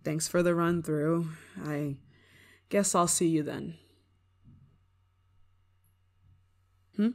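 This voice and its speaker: A woman's voice: fairly low pitch, natural voice. A woman playing a prickly, homesick young performer in an ASMR roleplay, grudging in manner but secretly fond of an old friend. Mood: reluctant. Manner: tsundere, grudging, sighing, secretly affectionate. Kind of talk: ASMR roleplay, acted monologue to listener.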